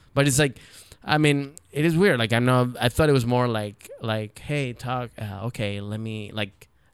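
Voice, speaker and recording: A man with a Venezuelan accent, medium pitch, ordinary pitch variation and a moderate pace. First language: Spanish. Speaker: stand-up comedian. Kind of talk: casual chat. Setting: studio.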